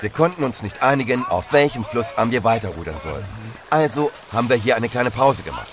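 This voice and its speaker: An actor as a male amateur angler, a shaken witness in a crime radio play. He talks bluntly and colloquially in a medium-pitched voice, with clear outdoor noise behind. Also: animated, a little fast, close to an everyday voice. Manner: plain-spoken, colloquial. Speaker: actor in a crime audio drama.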